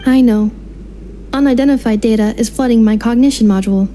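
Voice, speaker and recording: A woman voicing a polite, calm female robot in a video game, with formal, clinical phrasing. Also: on the high side, a little fast, a little hiss or hum, close to an everyday voice. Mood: matter-of-fact.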